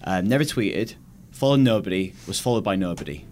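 A man with a fairly low voice speaks as a podcast guest. His style is casual and conversational, with some background noise in the room. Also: expressive, a little fast, darkish tone. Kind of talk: casual chat.

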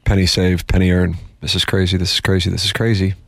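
Man, sports radio host, fairly low voice, playful and animated, dry close studio mic. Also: quick pace, gravelly, slightly rough, no room sound. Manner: lively, jokey, animated pitch jumps. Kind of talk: casual sports radio banter.

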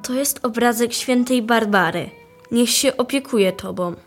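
A woman's voice: fairly high pitch, measured pace, soft background music. A young female performer playing an earnest poor child from a mining town in a radio play, reciting plainly. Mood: solemn.

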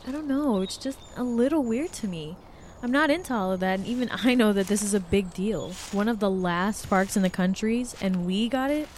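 A woman's voice: mid-range voice, moderate pace, a little mellow, slight background noise, lightly acted. An actress playing a reluctant, wry city woman on a hike in a naturalistic audio drama, with casual, slangy speech. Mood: suspicious. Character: Temi, reluctant, grumbling city woman on a first hike, teasing and affectionate. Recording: outdoor nature ambience with birds.

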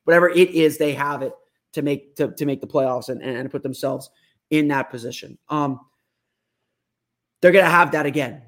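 Hoarse man talking basketball. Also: a little high, fairly bright tone. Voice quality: raspy. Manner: rambling, repeats words and restarts. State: hoarse, under the weather. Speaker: sports podcast host. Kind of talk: casual sports talk.

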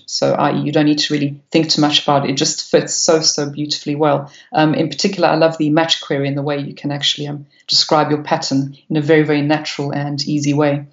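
Woman guest from South Africa, gravelly voice, flat delivery, many ums, echoey lo-fi room. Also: low-pitched. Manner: hesitant, many fillers, enthusiastic. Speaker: podcast guest. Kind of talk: technical interview answers. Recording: echoey room, dull lo-fi sound.

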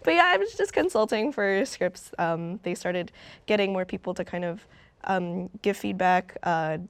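A woman's voice: lowish voice, animated, normal speed, clear, resonant tone, no room sound. A woman, a former host, chatting casually on a podcast and laughing often. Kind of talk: casual chat.

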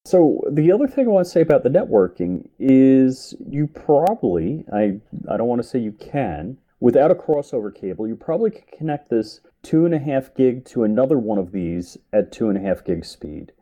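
A man's voice: medium pitch, sing-song, normal speed, hardly any pauses, dark tone, dull audio. A man co-hosting a casual tech chat, thinking aloud and hesitant while he looks things up.

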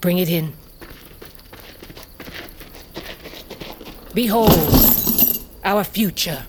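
A woman's voice: fairly low pitch, measured pace, heavy background noise, lightly acted. An actress playing a proud, hard tribal queen who gives firm orders in an audio drama. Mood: commanding. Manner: authoritative, clipped commands. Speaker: queen of a wolf tribe.

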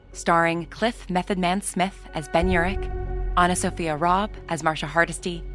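Female trailer announcer, slightly low voice, scripted promo read, music bed. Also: a bit bright.

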